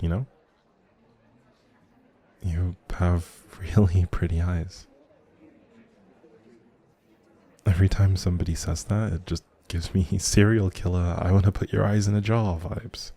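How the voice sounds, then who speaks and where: A man acting as a kind, socially anxious male stranger in an intimate audio roleplay. His voice is very low and mellow, with a gravelly creak underneath. He rambles softly and hesitantly, second-guessing himself as he goes. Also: steady tone, unhurried, exaggerated voice. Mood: awkward, amused. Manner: hesitant, rambling, self-doubting, soft chuckles.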